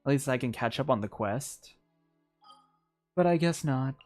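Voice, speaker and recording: A woman's voice: a bass voice, lively intonation, measured pace, darkish tone, soft background music. A woman livestreaming a game with casual, rambling, exclamatory commentary. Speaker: game streamer.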